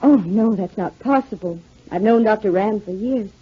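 A woman's voice: medium pitch, normal speed, breathy edge. An actress playing a polite, dramatic, evasive married lady in 1940s radio acting style. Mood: subdued shock. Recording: muffled, lo-fi 1949 radio recording.

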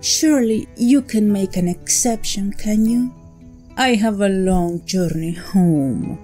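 An actress voicing a calm, cunning witch who sprinkles Spanish words, in an audio drama with faint music behind. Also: mid-range voice, slow, lightly acted. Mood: pleading.

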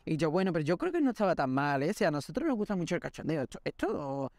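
A man's voice: on the high side, quick pace, gravelly, no room sound, clean studio sound. A young man, hosting a podcast and telling comic anecdotes, acting out the voices of the people in them. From Spain. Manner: animated, acts out the voices in his anecdotes. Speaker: podcast host. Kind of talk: comic storytelling monologue.

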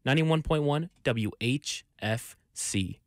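A man's voice: medium pitch, animated, takes it slowly, no room sound. A young man hosting a music radio show as a DJ, speaking into a studio microphone. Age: young adult. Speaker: radio DJ and host. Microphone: broadcast studio microphone on a boom arm.

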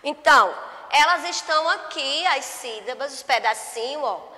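A Brazilian woman teaching young children, her voice high and bright as she stretches out each word slowly and patiently. The recording carries a long reverb, like a bare room. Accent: Brazilian Portuguese. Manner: patient, drawn-out words, spelling sounds slowly for children. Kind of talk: remote lesson for first graders.

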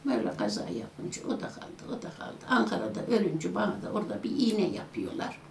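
A woman's voice: medium pitch, wildly swooping pitch, brisk, creaky, slight background noise. An older woman tells a personal story in an interview and acts out the voices of the people in it. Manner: vivid retelling that acts out quoted voices. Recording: echoey room with music underneath.

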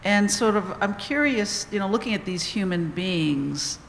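A woman's voice: medium pitch, expressive, unhurried, vocal fry, a little hiss or hum. A woman in the audience asking the panel a long, meandering question, searching for words as she goes. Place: auditorium audience. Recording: roomy echo, distant from the mic, faint ambience.

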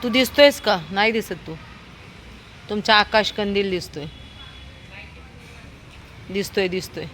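A woman's voice: medium pitch, unhurried, long pauses, fairly bright tone, a little hiss or hum. A woman filming her dog on a phone outdoors, chatting and coaxing it and the children around her. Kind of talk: casual vlog chat.

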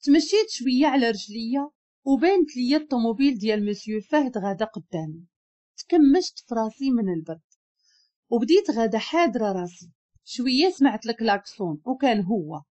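A woman with a Moroccan accent narrating a first-person story in an expressive, emotional way. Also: a little high, a little fast.

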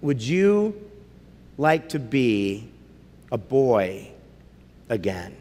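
A man speaking as a wise, gentle male lion, slowing down and dropping to a low, hushed voice. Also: big pitch swings. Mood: gentle, solemn. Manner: slow, low, hushed delivery. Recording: long hall reverb.

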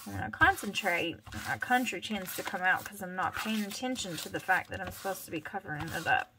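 A woman's voice: medium pitch, a little fast, noisy background. Mumbling woman with thick Southern accent. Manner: mutters and mumbles, rambling asides. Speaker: crafter vlogger. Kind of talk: casual craft tutorial chat.

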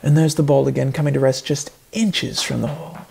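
A man giving earnest, deadpan play-by-play as a mock golf commentator in a parody sports broadcast. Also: mid-range voice, fairly quick, gravelly, slight background noise. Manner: earnest play-by-play, building to excited outbursts.

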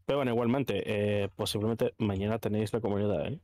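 A man's voice: fairly low pitch, steady tone, fast, darkish tone, slight background noise. A man with an accent from Spain, chatting casually with friends as an online gamer. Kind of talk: casual chat among friends.

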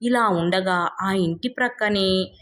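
A woman's voice: mid-range voice, takes it slowly, a bit bright. A woman storyteller reading a scripted moral tale as narration.

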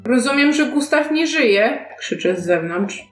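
Female tabletop player, higher voice, casual delivery, faint music behind. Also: expressive, measured pace. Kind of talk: casual role-play chat. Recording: roomy echo, faint music.

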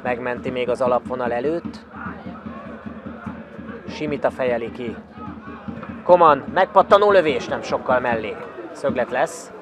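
A man giving excited sports commentary on a football match, raising his voice as chances develop. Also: mid-range voice, long pauses. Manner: excited, rising to shouts at chances. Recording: crowd noise behind, outdoor stadium. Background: crowd at an outdoor football ground.

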